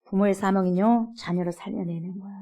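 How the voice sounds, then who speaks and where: A middle-aged woman pastor preaching a sermon in a church, acting out pleas and swinging between loud and hushed. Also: medium pitch, steady tone, quick pace. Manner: dramatic, acts out quoted pleas with big swings from loud to hushed. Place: church sanctuary.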